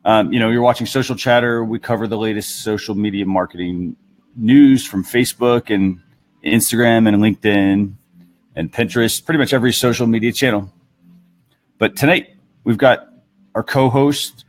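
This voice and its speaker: A man's voice: on the low side, moderate pace. A man presenting a live talk show as its host in a casual, conversational style.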